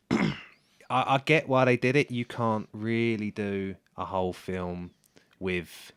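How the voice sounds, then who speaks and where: A man's voice: fairly low pitch, fairly even intonation, slow, a bit bright, clear, resonant tone. A man co-hosting a casual film review chat, hesitant and searching for words. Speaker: podcast co-host.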